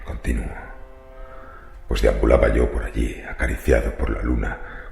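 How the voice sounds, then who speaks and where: A man playing a macabre, brooding cemetery wanderer who confides morbid secrets in a theatrical horror radio monologue. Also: exaggerated voice. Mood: confiding, sinister, then suspenseful, hushed. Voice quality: very deep, gravelly creaking voice. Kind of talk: dramatic first-person horror radio monologue. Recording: roomy reverberant voice over music. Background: faint music.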